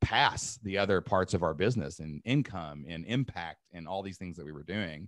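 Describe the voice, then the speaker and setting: The background stays quiet. A man's voice is very deep and low in pitch. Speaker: online course creator and podcaster. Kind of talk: casual interview chat.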